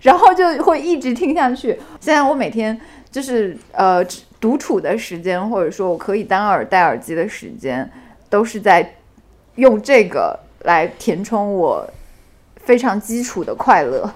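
A woman co-hosting a casual podcast chat, telling anecdotes in a lively way and laughing as she goes. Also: medium pitch, normal speed. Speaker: podcast co-host.

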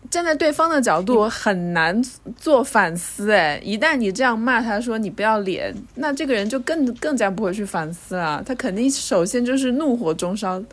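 A woman's voice: on the high side, lively intonation, normal speed, hardly any pauses. A woman co-hosting a podcast, talking in a cautious, reflective way in casual chat. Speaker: podcast co-host.

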